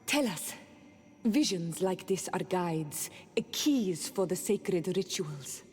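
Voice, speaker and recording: A woman's voice: on the low side, animated, takes it slowly, slightly rough, long reverb tail, soft background music, heavily acted. An actress voicing a solemn, devoted young female tribal healer in a video game, with earnest, careful, slightly formal delivery. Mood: curious, reverent.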